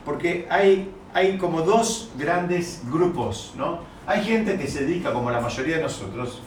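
A man with a Rioplatense accent and a slightly high voice teaches a Torah lesson in a classroom. He keeps asking his listeners questions and restates his points as he goes. The microphone sits some way off in an echoey room, with faint ambience behind him. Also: a little hiss or hum. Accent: Rioplatense Spanish. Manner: poses rhetorical questions to the class and rephrases often. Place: classroom with students. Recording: roomy recording with mic at a distance.

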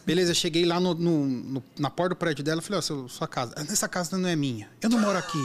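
A man chatting casually, an app driver telling animated stories and acting out the voices in them. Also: on the high side, quick pace, background noise. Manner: animated storyteller, acts out quotes. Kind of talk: casual chat.

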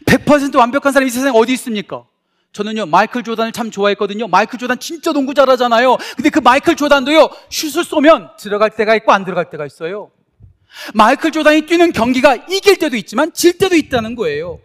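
High-voiced pastor preaching with swinging intensity. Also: male voice, fast talker. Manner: animated, swings from loud emphatic lines to soft confiding asides; conversational, asks the congregation questions. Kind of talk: sermon.

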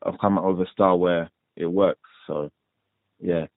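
Deep-voiced young London man on a phone line. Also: fairly even intonation, moderate pace, gravelly, no room sound. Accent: London English. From London, England. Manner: laid-back, rambling with many fillers. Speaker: professional boxer, guest. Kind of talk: casual interview answers. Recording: tinny dry phone line.

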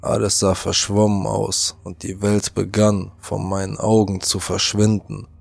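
A man narrating a first-person horror story in a tense voice, acting out his own shouted lines. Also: lowish voice, completely flat delivery, a little slow, vocal fry, dry recording.

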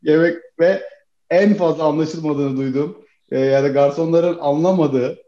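A man's voice: a little high, moderate pace, warm tone. A man from Turkey chatting casually with friends, laughing often and calling them "abi". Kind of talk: casual chat. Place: living in the United States. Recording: dull roomy home recording.

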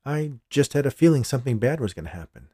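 A man's voice: mid-range voice, animated, fast talker, mellow, breathy edge, no echo, clean studio sound, pitched above the performer's own voice. A man voicing a wary, puzzled male bodyguard hero with a plain, guarded manner in a story reading.

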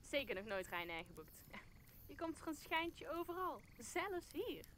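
Woman acting a high-voiced, mocking, cynical courtier. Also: very animated, moderate pace, a bit bright, a little hiss or hum. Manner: sardonic, quipping. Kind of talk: Dutch audio drama acting of Shakespeare.

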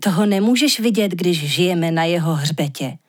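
A woman's voice: lowish voice, expressive, no room sound, studio quality. A woman voicing a grouchy, plain-spoken man who complains bluntly.

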